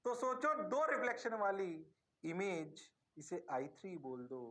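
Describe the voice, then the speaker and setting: A man teaching in a high, bright voice that rings with energy. He coaxes and teases his students, firing the same question at them over and over until they answer. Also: unhurried. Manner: animated, coaxing, repeats questions to the class; playful. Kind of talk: classroom lecture.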